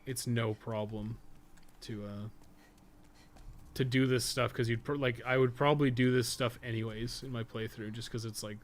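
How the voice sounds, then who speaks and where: A man's voice: medium pitch, normal speed. A man giving casual gameplay commentary, rambling and thinking aloud, with casual swearing. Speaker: podcast co-host playing a game. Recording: clear steady background noise.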